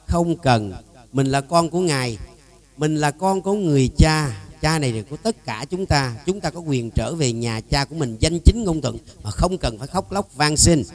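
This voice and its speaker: A Buddhist monk, a man, preaches with strong emphasis. His delivery jumps between loud, pressing lines and quieter asides, and he often puts rhetorical questions to his listeners. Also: medium pitch. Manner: swings widely between loud and soft. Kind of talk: Buddhist dharma talk.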